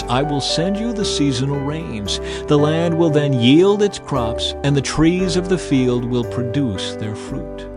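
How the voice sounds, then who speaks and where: A man playing a stern, authoritative God in a dramatized scripture reading, speaking in a solemn, commanding, deliberate way. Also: mid-range voice. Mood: solemn, promising. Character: God of the Bible, stern, authoritative male lawgiver.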